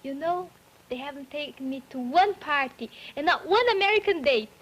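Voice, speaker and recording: Teen woman, Brazilian accent, high voice, candid and lively. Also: normal speed, slight background noise, rough recording. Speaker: student panelist.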